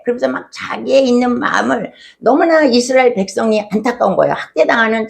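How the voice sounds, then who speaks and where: A woman's voice: a little high, creaky, darkish tone. A woman pastor preaching a sermon, retelling a scripture story and acting out its voices with rising feeling. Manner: storytelling, acts out quoted voices, rising emotion.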